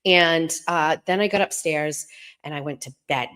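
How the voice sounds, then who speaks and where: A middle-aged woman hosting a live stream from home, chatting in a hushed, rambling way so she won't wake anyone. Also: normal speed, smooth. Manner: talking low and hushed to keep from waking someone; chatty and rambling, full of asides and restarts.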